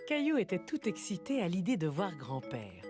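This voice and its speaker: A woman narrating a children's cartoon as a gentle storyteller, in a scripted storybook style. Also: on the low side, huge pitch swings, normal speed, faint music behind. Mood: gentle storytelling.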